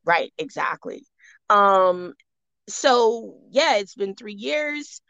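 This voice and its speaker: A woman's voice: mid-range voice, lively intonation, drawn-out words, dull audio, crowd noise. A young woman from the Bahamas, a jewelry designer interviewed as a podcast guest, talking reflectively with many fillers and restarts.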